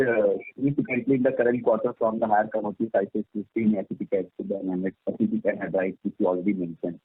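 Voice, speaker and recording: A man's voice: fairly low pitch, slightly rough, no room sound. A man with an Indian accent politely questioning company management as an analyst on a conference call. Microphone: phone conference line. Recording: narrowband, tinny phone line.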